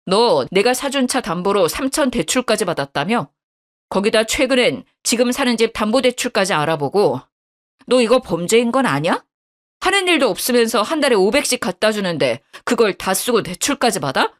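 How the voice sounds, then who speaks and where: Woman doing a lowered angry husband voice, harsh and accusing, radio story. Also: sing-song, normal speed. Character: angry young husband, cold and scolding.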